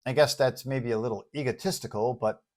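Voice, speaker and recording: A confident male superhero, acted by a man telling the story. He speaks in a medium-pitched voice, breezy and colloquial, with a well-meaning streak. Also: fairly even intonation, fairly quick, darkish tone, natural voice. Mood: earnest, casual.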